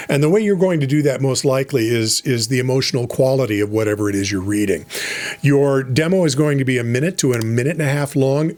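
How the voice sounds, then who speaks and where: A middle-aged man giving a relaxed, conversational lesson as a voice over coach, with fillers and asides. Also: medium pitch. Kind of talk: casual instructional talk.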